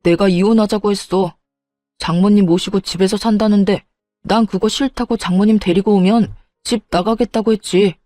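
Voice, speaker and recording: A woman's voice: medium pitch, fairly even intonation, moderate pace, mellow, no room sound, soft background music, natural voice. A woman voicing a hot-headed grown son who whines and blames his mother in a storybook reading. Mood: exasperated. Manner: whiny, exasperated.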